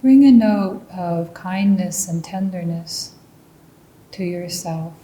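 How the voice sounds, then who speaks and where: A woman leading a guided mindfulness meditation, speaking calmly and gently. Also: lowish voice, echoey room. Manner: slow, calm and gentle instruction.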